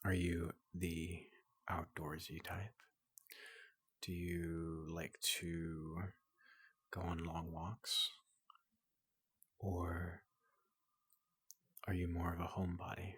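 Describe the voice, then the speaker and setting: A big, kindly robot doctor acted out by a man speaks in a very husky, hushed ASMR voice, close and dry. The delivery is slow and soothing, polite and reassuring, with a breathy near-whisper throughout. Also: low-pitched, little pitch movement, no echo, heavily acted. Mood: gentle, inquisitive. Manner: slow, gentle, reassuring, repeats questions softly.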